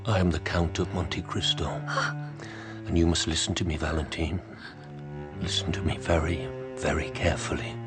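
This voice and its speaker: Low-voiced calculating aristocrat by a male actor, courteous with a hidden edge. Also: flat delivery, normal speed, over loud music, natural voice. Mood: urgent. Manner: smooth, probing, formally courteous. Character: cool, calculating nobleman count. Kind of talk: radio drama acting.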